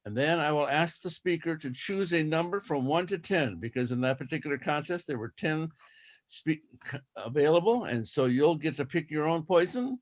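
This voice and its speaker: Higher-pitched man, methodical contest emcee. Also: lively intonation, moderate pace, rough recording. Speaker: contest toastmaster. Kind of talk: explaining contest rules to participants.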